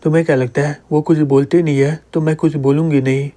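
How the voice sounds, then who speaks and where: A commanding young noblewoman who scolds sharply and gives orders, read by a man narrating a comic. The voice is a little high and mellow. It is read in a plain storytelling way. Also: flat delivery, quick pace, natural voice. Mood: scolding. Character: fierce young woman, loyal noble student.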